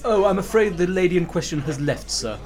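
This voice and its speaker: A man's voice: sits high, expressive, a little fast, darkish tone. A man playing a deferential, dryly polite hotel waiter, in an audio drama.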